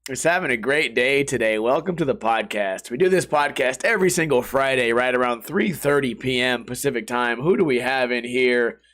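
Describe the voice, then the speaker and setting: A man's voice: mid-range voice, moderate pace, few pauses, fairly bright tone. A young man from the United States hosting his podcast while sick and half out of voice, rambling casually in slang and swear words. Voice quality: hoarse, rough voice. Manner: slangy and profane, drifting between topics. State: sick, voice partly lost. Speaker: podcast host.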